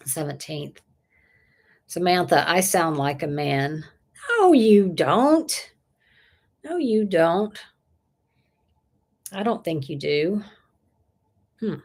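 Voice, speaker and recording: A woman's voice: lowish voice, animated, slow, creaky, pauses often, husky. A woman, chatting casually on a livestream and reading viewer comments aloud, rambling and laughing often. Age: 60s. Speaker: livestream host.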